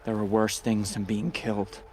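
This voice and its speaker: A man playing an anguished, fearful tribal hunter in a video game, speaking haltingly and breaking off mid-sentence. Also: on the low side, flat delivery, darkish tone, a little hiss or hum, natural voice. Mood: haunted, grieving. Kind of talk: dramatic video game dialogue acting.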